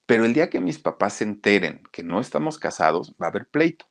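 A man's voice: sing-song, fast talker. A man voicing a friendly young woman receptionist of about thirty, with a Mexican accent and a sweet, coaxing way of talking. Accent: Mexican Spanish. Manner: sweet, high-pitched, coaxing.

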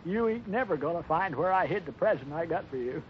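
A comic, bumbling cowboy sidekick acted by a man with a high voice and homespun country talk. He is folksy and easily indignant, in the manner of 1950s radio Westerns. The sound is muffled with light hiss. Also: expressive, brisk, lightly acted. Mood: teasing, folksy. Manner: drawling country grammar, indignant. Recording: muffled, noisy old radio recording.

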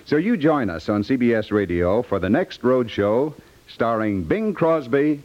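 A man's voice: medium pitch, sing-song, measured pace. An American man reading scripted copy as a 1950s radio announcer. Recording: dull 1950s radio recording.

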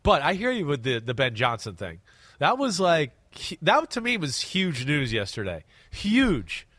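A man with a clogged-up, sniffly voice breaks down football in a casual studio chat. His pitch sits a bit high and he keeps leaning hard on his points, often checking in with "right?" The sound is close and dry, with no room around it. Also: huge pitch swings, measured pace, fairly bright tone, no echo. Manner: emphatic, repeats words, asks "right?". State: stuffy and congested. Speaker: podcast co-host. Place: studio desk close to co-host.

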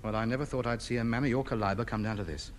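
A man's voice: mid-range voice, very fast, slight background noise, close to an everyday voice. An actor playing a vain, self-important man who clings to faded grandeur, in a 1950s radio sitcom. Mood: bantering. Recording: old radio broadcast.

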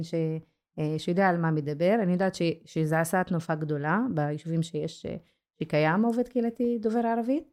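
A woman's voice: lowish voice, darkish tone. A woman speaking as a guest in a podcast interview, often searching for words between filler sounds.

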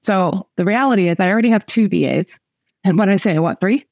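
Speaking fast at medium pitch, this woman in her forties has a slightly mellow voice captured at studio quality with no room sound. As coach and host, she gives a group a chatty, emphatic motivational talk, laughing frequently and speaking directly to them.

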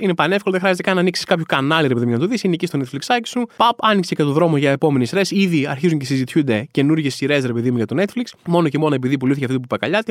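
A young Greek man with a Trikala accent delivers a comedic podcast monologue, sarcastic and ranting, stacking one exaggeration on another. His voice sits fairly high for a man, and it is recorded close on the mic with a dry, dead sound. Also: dry recording. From Trikala, Greece. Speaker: podcast host and stand-up comedian.

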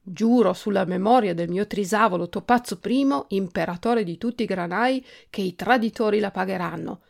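A woman's voice: medium pitch, normal speed, creaky. A woman voicing a pompous, boastful male mouse general who declaims his oaths in a storybook.

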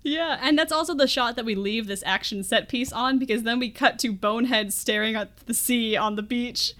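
Higher-pitched woman hosting a chatty podcast. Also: moderate pace, fairly bright tone. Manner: chatty, jokey recapping with frequent laughter. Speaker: podcast host. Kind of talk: casual movie discussion.

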